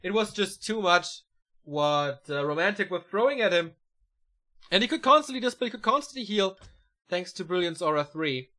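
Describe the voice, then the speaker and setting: A man casting a live esports match: fast, excitable play-by-play that climbs at big moments, and relaxed chat with viewers between games. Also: sits high. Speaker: esports caster. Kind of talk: live video game match commentary.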